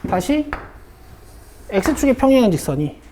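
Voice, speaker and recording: A woman math teacher from South Korea leads an academy classroom lesson, checking in with students throughout a problem. She speaks slowly but very animatedly, her slightly high voice carrying a dark tone over slight background noise.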